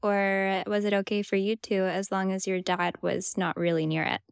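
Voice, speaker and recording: A woman's voice: medium pitch, little pitch movement, normal speed, vocal fry, clean tone, dry recording. A woman interviewer asking curious, casual follow-up questions. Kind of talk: conversational interview.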